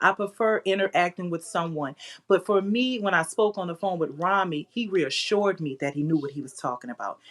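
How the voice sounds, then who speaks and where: A woman speaks with medium pitch and an energetic tone. Her intonation is lively. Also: fairly quick pace. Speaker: insurance agent. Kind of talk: interview. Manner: fast.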